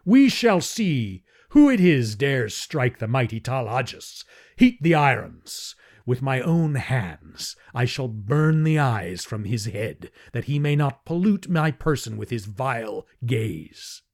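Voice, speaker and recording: A man voicing a raging tyrant alien king who shrieks his orders in slow, drawn-out bursts. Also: medium pitch, big pitch swings, full character voice. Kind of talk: audiobook character reading.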